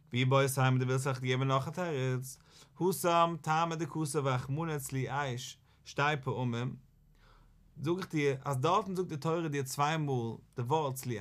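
A man, a rabbi, teaching a Talmud lesson in an animated, questioning sing-song that rises and falls. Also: on the high side.

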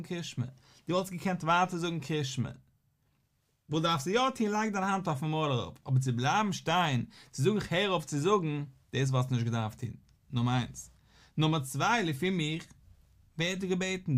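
A man, a rabbi, giving a daily Talmud lesson, posing questions and answering them in a study singsong. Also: on the high side.

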